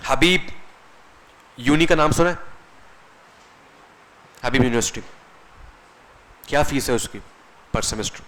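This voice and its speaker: A man delivers a classroom lecture in an easy, conversational way. He keeps asking his students questions and answering them himself, checking in with them as he goes. His voice sits at an ordinary middle pitch. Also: takes it slowly, long pauses, fairly bright tone, poor audio. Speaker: computer course instructor.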